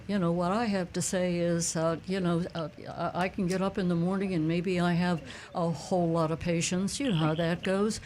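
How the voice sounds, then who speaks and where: A woman's voice: on the low side, darkish tone, a little hiss or hum. A woman co-hosting a talk show, easygoing and chatty with plenty of fillers. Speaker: co-host. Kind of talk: radio talk show chat.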